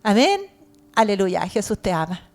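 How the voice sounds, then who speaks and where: A middle-aged woman with a Chilean accent preaching a sermon as pastor, earnest and animated, often adding amen and cierto. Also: medium pitch, normal speed. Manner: animated storytelling, shouting out imitations.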